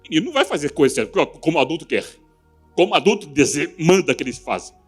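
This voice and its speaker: A man with a Brazilian Portuguese accent preaching a live church sermon, moving from loud, fervent exhortation to hushed, earnest passages. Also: a little high, big pitch swings, fast talker, slightly rough, faint music behind. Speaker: pastor. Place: church service.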